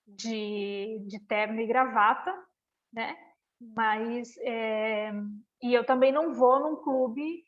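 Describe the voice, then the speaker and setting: Woman lecturer with a Brazilian accent, a little high-pitched, chatty webinar delivery, dull video-call audio. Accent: Brazilian Portuguese. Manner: chatty, often adds tag questions. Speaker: language lecturer. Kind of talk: informal online lecture.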